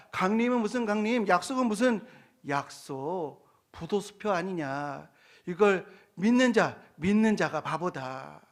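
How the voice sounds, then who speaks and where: A crowd of sneering male scoffers, put on by a preacher jeers with scornful rhetorical questions. Their voices rise high and loud with contempt. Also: close to an everyday voice. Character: mocking male scoffers jeering at believers.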